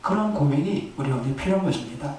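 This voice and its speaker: A man's voice: fairly high pitch, lively intonation, fast, mellow, a little hiss or hum. A male pastor delivering a Sunday sermon in a church, telling stories animatedly and exhorting the congregation. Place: church sanctuary. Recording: echoey church hall, distant mic.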